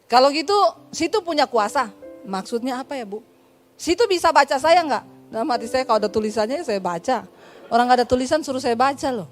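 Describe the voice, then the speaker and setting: A woman pastor with an Indonesian accent preaching a sermon, telling stories lively and acting out the voices of the people in them with humorous asides. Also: high voice, fast, soft background music. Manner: lively storytelling, acts out dialogue, humorous asides.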